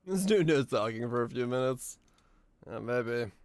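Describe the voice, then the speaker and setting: A hoarse man with a raspy, fading voice chatting casually while streaming a game, rambling and halting, swearing now and then. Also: medium pitch, animated, no room sound. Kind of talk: casual gaming stream commentary.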